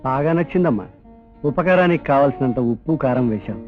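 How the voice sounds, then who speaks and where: A man in a film scene, teasing and full of wordplay, giving lines in quick comic dialogue. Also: mid-range voice, expressive. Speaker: scheming elderly guardian in a comedy film. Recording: dull lo-fi film audio with music.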